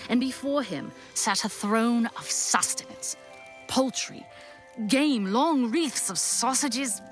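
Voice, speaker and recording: A woman narrating a scripted audio drama, expressive and deliberate in her storytelling. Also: fairly high pitch, faint music behind.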